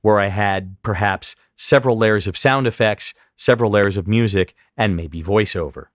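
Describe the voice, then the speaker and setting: A man giving step-by-step instructional narration as a software tutorial instructor, explaining clearly what he does on screen. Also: on the low side, normal speed, dry recording, clean studio sound.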